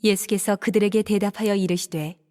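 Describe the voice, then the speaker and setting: A woman narrating scripture from a script in a measured, formal manner. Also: mid-range voice, steady tone, darkish tone. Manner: measured, formal read delivery.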